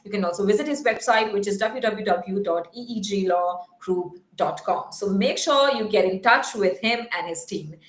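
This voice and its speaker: A woman's voice: medium pitch, normal speed, few pauses. A woman hosting a question-and-answer episode on a video call, reading viewer questions aloud and thanking her guest politely. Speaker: show host. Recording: roomy echo.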